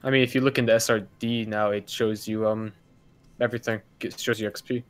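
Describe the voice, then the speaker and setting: A man's voice: lowish voice, flat delivery, a little fast. A man chatting casually as a player in a tabletop game. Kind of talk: casual chat.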